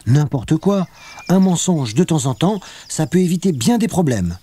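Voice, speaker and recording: A man's voice: a little high, lively intonation, moderate pace, mellow, breathy edge, voice pushed up. A man voicing a cheeky, pragmatic young boy in a children's audiobook.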